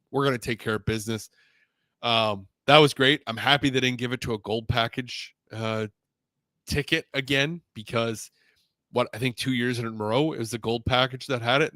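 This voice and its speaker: A man's voice: mid-range voice, a bit bright, dry recording, clean studio sound. A man hosting a live football talk stream, chatting casually and rambling as he greets viewers by name. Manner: chatty and rambling, reads viewer names aloud. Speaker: host of a live sports show.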